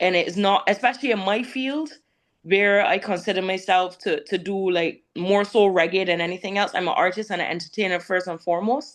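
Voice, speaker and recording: With a Barbadian accent, a woman talks at a medium pitch and a fairly quick pace. Her pitch variation is ordinary, and the background is quiet. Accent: Bajan English. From Barbados. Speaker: reggae singer. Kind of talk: interview. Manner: animated.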